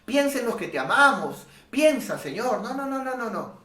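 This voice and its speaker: Guy doing a freaked-out peter, high and loud, begging no no no, echoey and far off. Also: very animated, normal speed, exaggerated voice. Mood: frantic pleading. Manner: pleading, insistent, repeats no no no. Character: pleading apostle Peter, frantic adult man. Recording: echoey room, voice off-mic.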